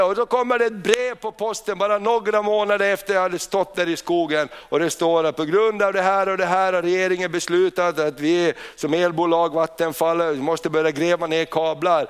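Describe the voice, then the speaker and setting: Male preacher telling a testimony in church, high and resonant, peppered with amens. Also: clean tone. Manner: storytelling, frequent "hallelujah" and "amen", tag questions. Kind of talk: sermon with personal testimony.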